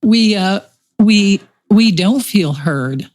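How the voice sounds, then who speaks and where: A middle-aged woman with a Texas accent, speaking gently and reassuringly as a podcast host in a reflective chat. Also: mid-range voice, animated, slow pace. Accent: Texan.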